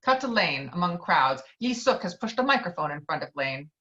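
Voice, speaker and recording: A woman's voice: on the low side, sing-song, moderate pace, pushed and bright. A woman reading screenplay stage directions as scripted narration, heard through slightly dull online audio.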